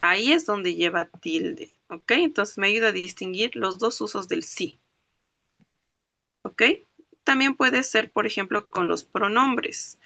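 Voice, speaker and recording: A woman's voice: mid-range voice, animated, vocal fry, sharp tone, no echo. A woman teaching a grammar lesson, explaining step by step and often checking that her students follow with "¿ok?". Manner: explains slowly, checks understanding with "¿ok?" and "¿no ve?". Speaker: language teacher. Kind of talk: classroom lecture.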